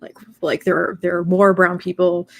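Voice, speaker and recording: A woman's voice: lowish voice, monotone, moderate pace. A young woman in casual discussion, talking in a rambling way with many fillers and restarts.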